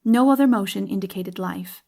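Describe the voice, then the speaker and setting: A woman's voice: medium pitch, a little fast, creaky, darkish tone. A woman narrating a literary audiobook as a dramatic reading.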